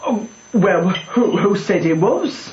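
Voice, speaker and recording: An actor playing a nervous country boy bluffing as a valet in an old radio drama, halting, stammering and evasive. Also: sits high, sing-song, a little mellow, exaggerated voice. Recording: muffled, roomy, hissy old radio recording.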